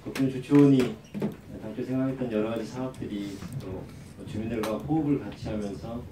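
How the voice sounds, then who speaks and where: A man with a head cold gives a formal, measured press briefing as a government official, reading out official plans. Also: mid-range voice. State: has a lingering cold. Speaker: government official, city bureau director. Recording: roomy distant microphone, faint background noise.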